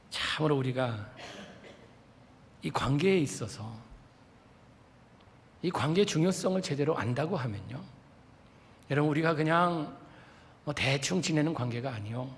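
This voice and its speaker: A male pastor preaching a sermon dramatically, swinging from loud outbursts to hushed tones as he acts out prayers. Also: mid-range voice, a little hiss or hum. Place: church sanctuary. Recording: reverberant church sanctuary.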